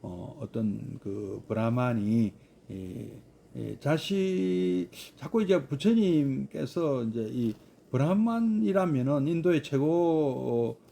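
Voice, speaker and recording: A man's voice: mid-range voice, gravelly, warm tone. A man, a Buddhist monk, giving a scripture study lecture with many hesitant fillers and rhetorical questions.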